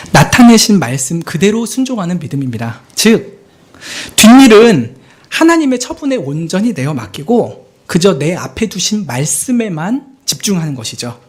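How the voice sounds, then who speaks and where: Here a man with a high voice and a breathy edge preaches on Sunday as assistant pastor. His delivery is lively, and he plays out prayers and conversations in character.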